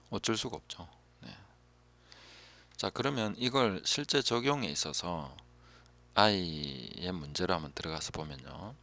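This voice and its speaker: A man, a pastor, giving a calm, reflective Bible teaching talk that often drops to a hushed voice. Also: deep voice, slow, long pauses.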